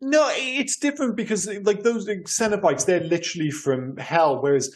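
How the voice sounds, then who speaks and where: A man's voice: high-pitched, normal speed. A British man co-hosting a film podcast, chatting loosely and rambling, with casual swearing. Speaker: podcast co-host.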